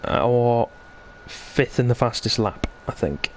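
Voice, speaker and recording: A man's voice: medium pitch, unhurried, crowd noise. A man hosting live esports racing commentary in a chatty, conversational way, bantering with his co-commentator. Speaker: sim racing commentator and host.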